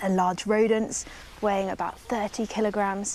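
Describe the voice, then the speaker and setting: Amid noticeable background noise, a woman talks at a moderate pace with a fairly high pitch. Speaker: wildlife TV presenter. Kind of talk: live outdoor TV presenting. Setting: outdoors by water at a farm.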